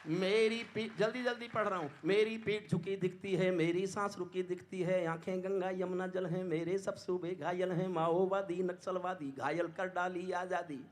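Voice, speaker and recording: A man reciting his poetry on stage in a declamatory style, dropping to hushed lines and then rising to loud, impassioned peaks, and speaking directly to the audience to ask for applause. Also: sits high, fairly even intonation, moderate pace, hardly any pauses. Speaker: poet.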